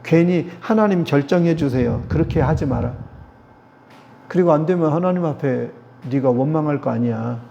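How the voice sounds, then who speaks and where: A middle-aged man lectures like a preacher, slow and emphatic, often turning to his audience with questions. His voice sits fairly high but sounds mellow and dark. The recording is dull and lo-fi, with a long church-hall reverb and faint ambient noise. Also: gravelly. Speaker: theology professor. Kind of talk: lecture-sermon to a church gathering.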